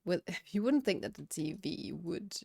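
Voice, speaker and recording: A woman's voice: on the low side, lively intonation, unhurried, creaky, a little mellow, breathy edge, dry recording, studio quality. A woman with a Danish accent, a game streamer chatting casually at her home computer and answering chat. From Denmark. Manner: chatty, reads out chat questions and answers them. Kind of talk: casual chat while gaming. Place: home room, windows and curtains.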